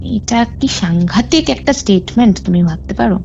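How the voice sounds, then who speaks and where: A woman's voice: mid-range voice, animated, brisk, gravelly, darkish tone, slight background noise. A woman telling a true ghost story as a caller, rambling with many fillers and restarts. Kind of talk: casual storytelling over a phone call. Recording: dull lo-fi call recording with faint music.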